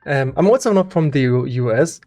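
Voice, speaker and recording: A German-accented man talks through game development on a live stream, in a middle-pitched voice. He halts often, restarting his words with plenty of fillers and chuckles, while faint music plays behind him. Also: lively intonation, warm tone. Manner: halting, many restarts and fillers, laughs often. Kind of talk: casual live-stream chat.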